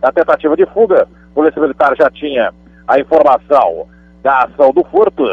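A male reporter with a Brazilian Portuguese accent reads a radio police bulletin chattily, adding emphatic asides along the way. His voice sits on the high side with lively intonation, a little fast, gravelly with a breathy edge, and the dry, phone-like radio line has no echo.

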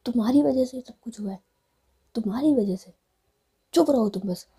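A woman voicing a hot-tempered young woman in a love story, snapping out sharp, scolding words. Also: a little high, a little fast, vocal fry, breathy edge, full character voice. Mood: furious.

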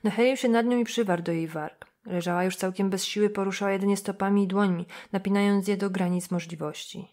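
Kobieta lektorka czytająca powieść kryminalną do audiobooka. Czyta spokojnie i równo, z wyraźną, wyważoną narracją. Głos o średniej wysokości. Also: female voice, mid-range voice. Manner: measured, even reading. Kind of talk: scripted novel narration.

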